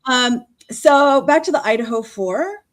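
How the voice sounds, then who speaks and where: A middle-aged Californian woman joins a livestream as a guest panelist, speaking in a high, slightly slow voice. She chats casually, filling her talk with fillers and laughing often.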